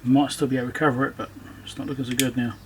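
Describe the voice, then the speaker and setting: A man's voice: mid-range voice, little pitch movement, very fast. A man giving casual, hands-on repair commentary, thinking aloud and muttering to himself as he works. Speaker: electronics repairer presenting own repair video. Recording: clear background noise behind the voice.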